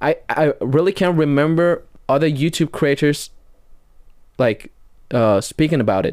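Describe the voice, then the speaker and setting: A man with a German accent speaks fairly slowly at a fairly high pitch, with ordinary pitch variation, very even loudness, and long, frequent pauses. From Germany. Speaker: podcaster. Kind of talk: casual chat.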